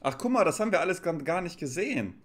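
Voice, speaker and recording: A man's voice: a little high, very animated, very fast. A man in his thirties with a German accent, chatting casually as a game streamer, close to a desk microphone. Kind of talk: casual live stream commentary.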